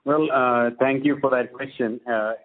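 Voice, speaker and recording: A man's voice: medium pitch, fairly even intonation, a little slow. A man with an Indian accent speaking as a company executive on a conference call, answering off the cuff and repeating words for emphasis. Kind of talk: spontaneous business question-and-answer. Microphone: conference call line. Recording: tinny, band-limited phone line.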